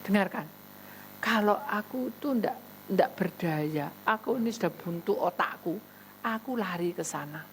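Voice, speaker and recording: A woman pastor preaching a sermon, telling a story with sudden high exclamations and quoted voices. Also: lively intonation, a little slow, slight background noise, poor audio.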